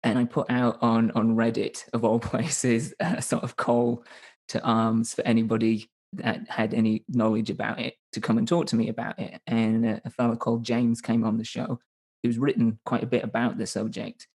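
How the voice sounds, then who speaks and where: Here the Northern English guest in his thirties speaks at a moderate pace, his medium-pitched, darkish voice barely shifting in pitch. It's a casual interview chat, and he rambles, hedges and restarts repeatedly while fixing what he says.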